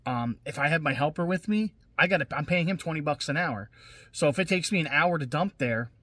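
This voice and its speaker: A scrap-metal vlogger talks casually in a rambling vlog, blunt and venting, swearing freely and frequently restarting his sentences. His voice is on the high side, expressive, brisk, pushed and bright, with no echo.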